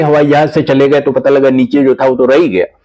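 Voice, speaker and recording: A man with a fairly high pitch talks in a plain, everyday voice, keeping a moderate pace. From India, Ayodhya region. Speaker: journalist and author. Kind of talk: interview.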